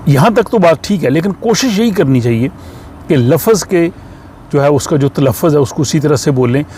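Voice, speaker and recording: A man teaching a language lesson, explaining slowly and patiently with frequent pauses and fillers. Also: fairly high pitch, lively intonation, mellow, slight background noise. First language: Urdu.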